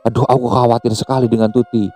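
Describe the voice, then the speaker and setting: A man voicing an anxious middle-aged mother who speaks in a hushed, worried way. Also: mid-range voice, level tone, fast, natural voice.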